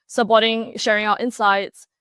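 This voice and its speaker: Woman presenting a talk, middle pitch, dry close mic, enthusiastic, small restarts. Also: little pitch movement, normal speed, fairly bright tone, clean tone, no room sound. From Singapore. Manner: enthusiastic, reads prepared remarks with small restarts. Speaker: conference speaker.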